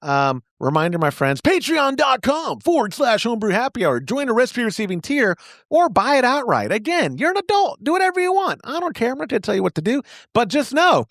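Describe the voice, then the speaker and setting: A man co-hosting a chatty podcast, playful and self-mocking, with a lively voice that swings up and down as he jokes. He is close on a dry mic with no room sound. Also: very high-pitched, a little fast, no echo. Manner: jokey, self-mocking, breaks into silly sung bits. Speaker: podcast co-host. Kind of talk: casual banter and ad reads.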